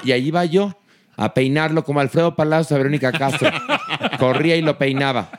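An older man with a fairly high voice tells stage anecdotes full of laughter and acted-out shouts. He keeps the banter rolling like a practiced host. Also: animated, normal speed. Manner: chatty, laughing anecdotes, theatrical. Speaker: podcast host and actor. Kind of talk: comic banter, storytelling.

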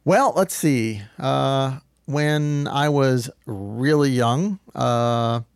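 A man's voice: medium pitch, drawn-out words, gravelly, clear, resonant tone, no room sound, studio quality. A middle-aged man from the Boston area, a guest speaking casually in an easygoing, rambling way with restarts. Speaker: guest, former studio engineer. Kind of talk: casual interview chat.

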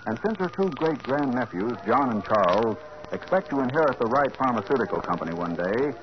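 A man's voice: medium pitch, very animated, fairly quick. A man announcing and narrating a 1940s radio drama in a formal announcer's delivery. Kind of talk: scripted narration. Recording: muffled old radio broadcast with hiss.

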